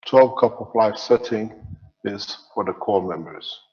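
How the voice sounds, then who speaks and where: A man teaching in a slow, measured way, his phrases trailing off at the ends. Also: on the low side, long reverb tail, highs cut off. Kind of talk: spiritual teaching lecture.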